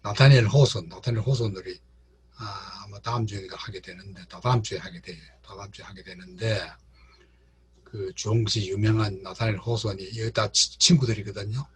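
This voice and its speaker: Husky-voiced man giving a lecture. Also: lowish voice, fairly even intonation, brisk. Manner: repeats words and addresses the audience directly. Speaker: literature lecturer. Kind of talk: classroom lecture.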